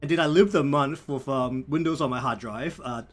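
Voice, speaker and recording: A man with a thick New Zealand accent and a medium-pitched voice talks casually on a livestream. He rambles and thinks aloud while he works, with music playing faintly behind him. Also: normal speed. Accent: broad New Zealand. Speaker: live streamer. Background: background music.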